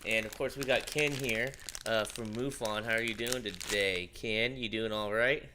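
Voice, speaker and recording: A man's voice: lowish voice, fairly even intonation, normal speed, background noise. A man hosting a livestream in a casual, chatty, informal way. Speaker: livestream host.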